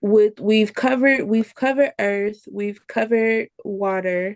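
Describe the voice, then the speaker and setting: With a Haitian accent, a woman talks at a very slow pace. Her pitch is fairly high, and the sound is dry and close with no echo. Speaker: spiritual podcast host, tarot reader. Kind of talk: casual chat. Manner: animated.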